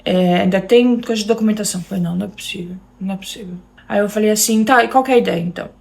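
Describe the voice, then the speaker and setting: Brazilian woman, young, personal testimony, emotional and direct, gravelly fry. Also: medium pitch, very fast, a little mellow. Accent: Brazilian Portuguese. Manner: emotional, keeps addressing listeners directly. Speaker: guest telling her story. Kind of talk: personal storytelling to an audience.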